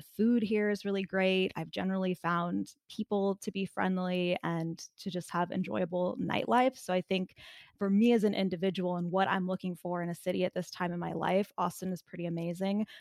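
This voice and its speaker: A woman with a normal speaking voice in an American accent, medium in pitch and fairly quick in pace, on a very clean recording with a silent background and a dry, close sound with no echo. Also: fairly even intonation. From Texas. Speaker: wellness coach and podcast host. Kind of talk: interview conversation.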